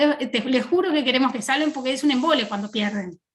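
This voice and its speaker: A woman speaks at a high pitch with an Uruguayan accent and lively intonation. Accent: Uruguayan Spanish (Rioplatense). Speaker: university lecturer in accounting. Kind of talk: lecture. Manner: fast.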